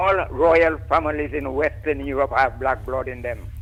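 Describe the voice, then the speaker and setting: There is noticeable background noise while a man talks at a moderate speed. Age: 80s+. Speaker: radio caller. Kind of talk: call-in radio chat.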